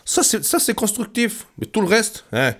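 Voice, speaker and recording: A man's voice: sits high, very animated, normal speed, a bit bright. A young man from Savoie with a Savoyard French accent, chatting casually as a music producer, rambling and stammering with joking asides. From Savoie, France. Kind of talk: casual music-making vlog.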